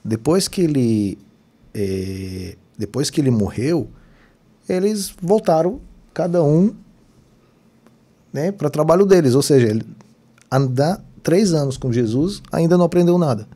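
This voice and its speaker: Israeli-accented male guest, mellow husky tone, explains things and checks in often. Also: on the high side, expressive, a little slow, pauses often. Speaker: podcast guest. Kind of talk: casual chat.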